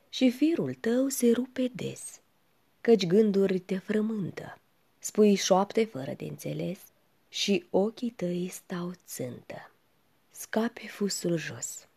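A woman reciting poetry slowly and softly, often sinking to a whisper. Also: medium pitch, gravelly, slightly rough. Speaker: reader.

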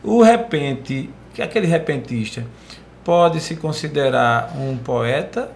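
Man, podcast host, agreeable, keeps saying he understands, a bit higher voice, faint noise. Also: animated, unhurried. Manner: agreeable, says "entendi" often. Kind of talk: casual interview.

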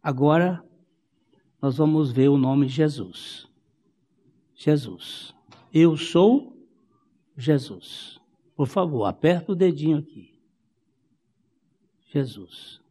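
A man preaches a Bible study. His voice sits fairly high and moves at an unhurried pace. He repeats key phrases and lifts his pitch to drive a point home. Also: expressive, dark tone, slightly rough, in a large hall. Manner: explains slowly, repeats phrases, rises in pitch for emphasis.

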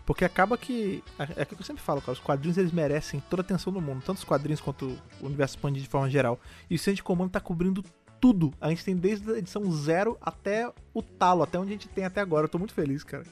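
A man's voice: high voice, faint music behind. A Brazilian man co-hosting a podcast, chatting enthusiastically and peppering his talk with slang fillers. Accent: Brazilian Portuguese. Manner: fast, enthusiastic, peppered with "cara". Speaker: podcast co-host. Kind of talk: casual podcast chat.

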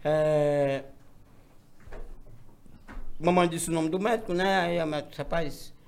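A man in his forties telling a comic life story on a talk show, animated and acting out the people in it. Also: on the high side, measured pace, vocal fry, clear, resonant tone. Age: 40s. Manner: animated, slips into acted quotes. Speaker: guest.

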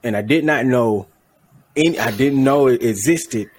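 A man's voice: medium pitch, moderate pace. A man co-hosting a podcast in casual chat, rambling and correcting his own slips with a laugh. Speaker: podcast co-host.

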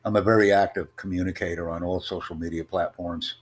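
A man with a very deep, low voice hosts an online chat. He speaks in measured, formal sentences, pitching his ideas like a presentation. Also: fairly even intonation. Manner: formal, promotional, measured delivery. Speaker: host of online conversation. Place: in the United States.

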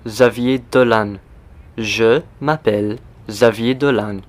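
A man hosting a language lesson, speaking slowly and deliberately and repeating simple phrases for learners. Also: mid-range voice, fairly even intonation. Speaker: language teacher. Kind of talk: slow scripted language lesson.

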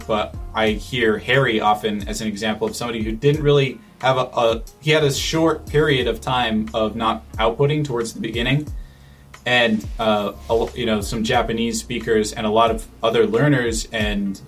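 A man's voice: lowish voice, a bit bright. A man chatting casually in a conversation, thinking aloud with many restarts and fillers. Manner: thoughtful, with frequent restarts and fillers.

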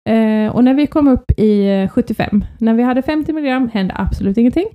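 A woman co-hosting a podcast, telling family stories in a lively, casual way and often breaking into laughter. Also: fairly high pitch, highs cut off. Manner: lively storytelling, with frequent laughs. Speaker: podcast co-host. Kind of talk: casual chat.

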